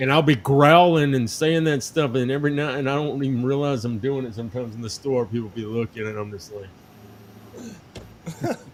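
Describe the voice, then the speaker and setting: With noticeable background noise, a man in a rural American accent speaks at a medium pitch, leaving long, frequent pauses. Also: ordinary pitch variation, fairly quick pace. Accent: rural American country. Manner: casual, rambling.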